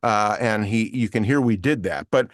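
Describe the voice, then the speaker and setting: A man's voice: on the low side, moderate pace, no room sound, studio quality. A man teaching an online voiceover lesson with screen share, explaining in a casual way with many fillers. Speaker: voiceover coach.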